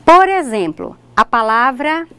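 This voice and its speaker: A woman's voice: sits high, very animated, slow pace, fairly bright tone, clear, resonant tone. A middle-aged woman from Brazil, teaching a recorded distance-learning lesson, explaining examples step by step and checking in with her students. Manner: addresses students directly, points at examples.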